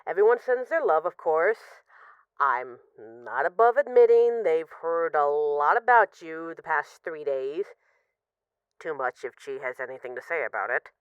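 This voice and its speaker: Low, smooth actress as an affectionate mafia boss. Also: female voice, animated, a little slow, dry recording, narrow, tinny audio. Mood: tender, hesitant. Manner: hesitant, sighing, wry, conversational. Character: affectionate, wry female mafia boss missing her partner. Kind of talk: scripted audio roleplay as intimate rambling voicemails.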